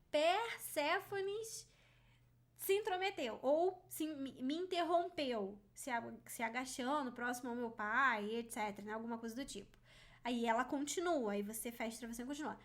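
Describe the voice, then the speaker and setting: A woman giving a casual writing lesson, critiquing a story on screen and reading passages aloud in a chatty, informal way. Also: sits high.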